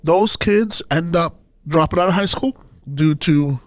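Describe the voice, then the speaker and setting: Halting, higher-voiced man telling his story. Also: no echo, clean studio sound. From Sudan. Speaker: podcast guest. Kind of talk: personal storytelling in an interview.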